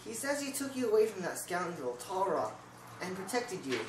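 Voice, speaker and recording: A young woman playing a stern, measured male tribal chief in an amateur puppet show, with a deliberate storytelling delivery. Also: medium pitch, big pitch swings, noisy background, natural voice. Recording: roomy, distant home recording.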